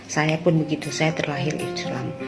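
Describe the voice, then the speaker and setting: A woman gives a casual, insistent rebuttal. She circles back to her points with rhetorical questions. Plucked guitar music plays clearly behind her. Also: deep voice, steady tone, moderate pace. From West Sumatra, Indonesia. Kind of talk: casual spoken rebuttal to viewers.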